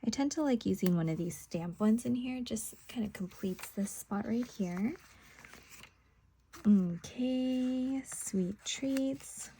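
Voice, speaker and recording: A woman's voice: on the high side, slow, warm tone, a little hiss or hum, low-quality recording. A woman casually talking through what she is doing as a craft video host, trailing off into murmurs as she concentrates. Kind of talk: casual plan-with-me chat, narrating while working.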